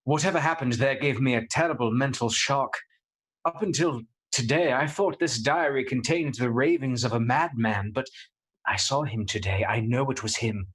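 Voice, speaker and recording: Husky, haunted young husband. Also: male voice, medium pitch, moderate pace, fairly bright tone. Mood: troubled, earnest. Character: haunted, earnest young husband, shaken but insistent. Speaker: actor in a live radio play. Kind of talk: theatrical radio drama acting.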